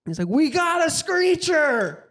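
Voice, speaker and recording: A young man with a higher-pitched voice, a podcast co-host telling stories in casual chat and slipping into playful voices for the people he quotes. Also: big pitch swings, measured pace, a bit bright. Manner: storytelling with playful voice impressions.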